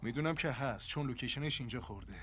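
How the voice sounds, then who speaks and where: A man's voice: mid-range voice, a bit bright, slight background noise, natural voice. An actor playing a pushy, hot-tempered young man who bullies and threatens, repeating himself. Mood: menacing. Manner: bullying and menacing, repeats himself.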